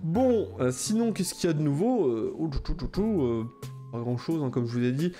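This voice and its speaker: A man's voice: a little high, lively intonation, moderate pace, dark tone, faint music behind. A man chatting casually while opening trading card packs, rambling with many fillers and repeated phrases. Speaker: Pokémon card opener. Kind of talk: casual pack-opening chat.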